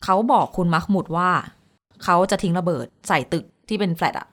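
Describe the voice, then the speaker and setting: A woman radio host telling a news story in casual chat, animated when quoting. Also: fairly low pitch, brisk.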